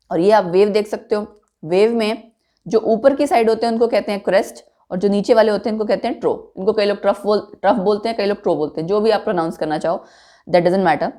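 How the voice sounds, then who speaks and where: A woman's voice: mid-range voice, mellow. A woman teaching a chemistry lecture, explaining step by step and checking with her students as she goes. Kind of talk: classroom lecture mixing Hindi and English.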